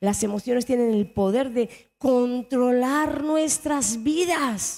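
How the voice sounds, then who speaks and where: Very wide swings in pitch from a woman with a dark, mellow tone. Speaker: pastor. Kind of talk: sermon.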